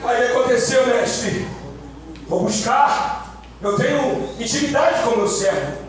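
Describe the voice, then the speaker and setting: Shouting Pentecostal pastor, very echoey church. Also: male voice, very high-pitched, lively intonation, slow, recorded from a distance, a little hiss or hum. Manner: shouting, repetitive, exclamatory. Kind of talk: Pentecostal sermon.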